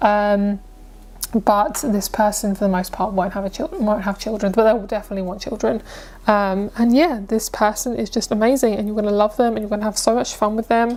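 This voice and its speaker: A plain, everyday voice from a woman, fairly high in pitch with fairly even intonation. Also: fairly quick pace. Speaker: tarot reader. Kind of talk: tarot reading to camera. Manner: casual, filler-heavy.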